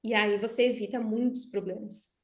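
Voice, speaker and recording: A woman's voice: medium pitch, steady tone, normal speed. A Brazilian woman, a speech therapist, explaining voice and breathing techniques in conversation and demonstrating them. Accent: Brazilian Portuguese. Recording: roomy echo.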